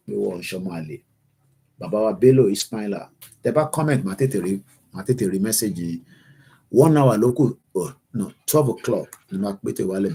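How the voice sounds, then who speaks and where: A man's voice: fairly low pitch, gravelly, warm tone, husky, poor audio. A Nigerian man with a Yoruba accent hosts a political livestream, switching between English and Yoruba as he reads out viewer comments. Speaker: host of an online political livestream.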